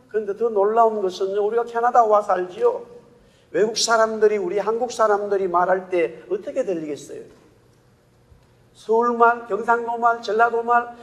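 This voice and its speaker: A male pastor with a Gyeongsang Korean accent preaching a sermon, telling stories lively and asking the congregation rhetorical questions. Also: high-pitched. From Gyeongsang region, Korea. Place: church sanctuary. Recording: long church-hall reverb.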